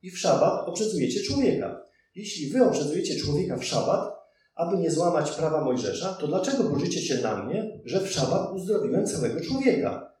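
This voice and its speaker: A man's voice: a little high, sing-song, a little fast, darkish tone, pitched above the performer's own voice. A man reading as a solemn male teacher addressing a crowd. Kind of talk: read-aloud scripture quotation. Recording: very echoey, distant mic.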